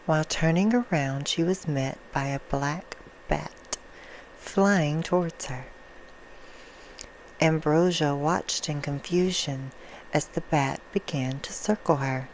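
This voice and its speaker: Slow, low-voiced woman playing a vampire storyteller. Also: a little hiss or hum, low-quality recording. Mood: soft, storytelling. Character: female vampire reading a soft bedtime story. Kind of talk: ASMR roleplay storytelling.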